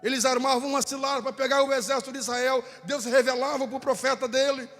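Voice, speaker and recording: A man with a Brazilian Portuguese accent preaching a fervent Pentecostal sermon in a church, repeating phrases and rising to shouts. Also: very high-pitched, flat delivery, fast. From southern Brazil. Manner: fervent, repetitive, rises to shouting. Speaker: pastor. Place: church sanctuary. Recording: church hall with long reverb, faint music.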